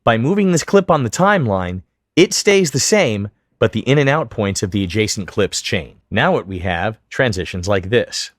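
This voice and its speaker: A man giving scripted, methodical step-by-step instruction as a software tutorial narrator. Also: lowish voice, expressive, moderate pace. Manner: clear, methodical, step-by-step explanation. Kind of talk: scripted instructional narration over screen demo.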